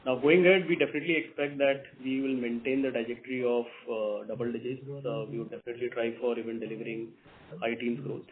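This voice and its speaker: A man's voice: medium pitch, steady tone, fast, slight background noise. A man, a company executive answering an analyst's question on an earnings call. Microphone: conference call line. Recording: tinny narrow phone-line sound.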